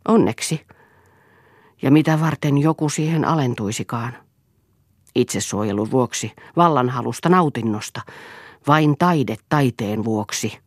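A woman's voice: very deep voice, expressive, no room sound, studio quality. A woman reading a firm, defiant wife. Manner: firm, resolute. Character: defiant, steadfast wife standing her ground.

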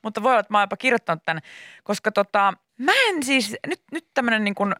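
A woman's voice: medium pitch, pushed and bright, no room sound. A young woman hosting a radio show, chatting casually in the studio with co-hosts and laughing often. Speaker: radio host.

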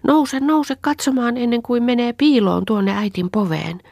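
A woman voicing an excited little peasant girl who pleads breathlessly. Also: fairly high pitch, creaky, dry recording, clean studio sound, pitched above the performer's own voice. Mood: excited pleading.

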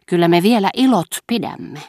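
A woman's voice: mid-range voice, dark tone, dry recording, clean studio sound, voice pushed up, natural voice. A woman voicing a capricious, teasing young actress in an audiobook, in a coy, mocking manner.

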